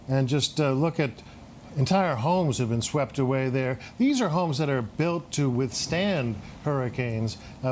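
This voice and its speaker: An American man anchoring live breaking news without a script, halting and repeating words as he goes. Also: medium pitch, a little hiss or hum.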